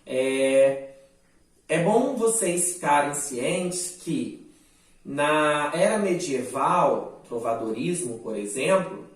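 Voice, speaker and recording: Slow Brazilian teacher in a roomy echo. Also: male voice, fairly high pitch, animated, recorded from a distance. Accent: Brazilian Portuguese. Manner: slow, explanatory, with frequent "né" and "tá" checks. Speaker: literature teacher. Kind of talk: recorded online class lecture. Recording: roomy echo, voice set back from the mic.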